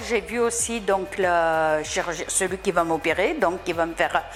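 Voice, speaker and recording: Music plays in the background as a woman with a fairly low pitch speaks at a fairly slow pace, with ordinary pitch variation. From France. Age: 60s. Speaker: dental patient. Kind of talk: testimony. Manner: halting.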